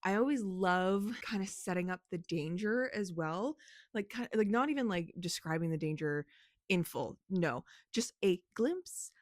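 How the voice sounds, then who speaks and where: A woman chatting animatedly about books, with a slightly low voice that is a little hoarse from talking. She laughs and swears freely. The sound is dry and close, with almost no room echo. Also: animated, a little slow. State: losing her voice a little. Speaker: book vlogger and author. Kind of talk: casual chatty vlog.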